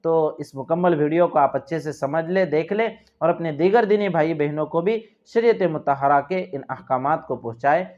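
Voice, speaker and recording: A man's voice: fairly high pitch, few pauses. A man with a Pakistani Urdu accent giving earnest, repetitive religious instruction and addressing viewers as dear friends. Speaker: religious teacher. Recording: dull lo-fi sound.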